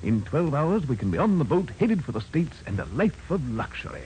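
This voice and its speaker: Posh British gentleman thief for vintage radio crime drama; lightish voice, very lively inflection. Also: on the high side, brisk. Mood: smug. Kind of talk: 1940s radio acting. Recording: noisy old 1940s radio broadcast.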